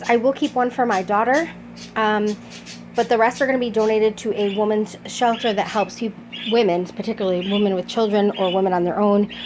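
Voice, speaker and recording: Breathless, fast-talking woman vlogger. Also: fairly high pitch, a little hiss or hum. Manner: fast, chatty, self-interrupting. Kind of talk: casual haul vlog.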